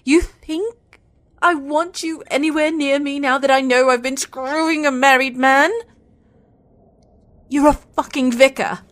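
An actress playing a sharp-tongued, sardonic woman lover in an audio drama, expressive and prone to swearing. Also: fairly high pitch, slow pace, long pauses, exaggerated voice. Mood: outraged, sardonic. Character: sharp-tongued, foul-mouthed woman lover, wry then furious.

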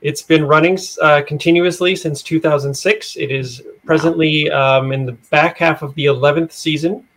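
Male interview guest, pitched slightly high. Explains things plainly and casually, with a matter-of-fact delivery. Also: steady tone, normal speed, hardly any pauses, a bit bright. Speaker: podcast guest, audio drama producer.

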